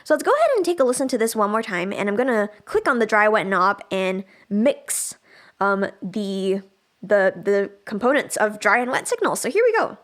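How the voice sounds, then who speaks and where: A woman's voice: medium pitch, lively intonation, normal speed. A woman trainer teaching music production in a casual, chatty livestream style, thinking aloud as she demonstrates. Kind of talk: casual livestream software tutorial.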